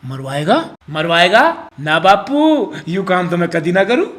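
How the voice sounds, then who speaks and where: A man's voice: sits high, expressive, a little slow, a bit bright. A man playing a deaf, lazy grown son who mishears and grumbles, in a Haryanvi accent. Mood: indignant. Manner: mishears words, grumbling, indignant.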